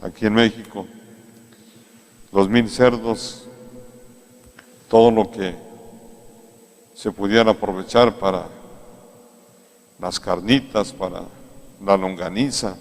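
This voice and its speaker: A Mexican priest preaching a sermon in an unhurried, conversational way, coming back to key phrases again and again. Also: male voice, on the low side, steady tone. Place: large cathedral. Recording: echoey cathedral sound.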